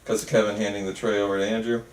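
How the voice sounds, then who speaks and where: A man's voice: on the low side, little pitch movement, racing. A man narrating script stage directions in an amateur table read. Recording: echoey room, distant mic, faint noise.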